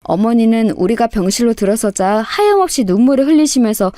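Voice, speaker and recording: Brief: a woman storyteller with a high, lively voice, narrating a scripted story, dry close recording. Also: a little fast, no echo. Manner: expressive, storytelling delivery.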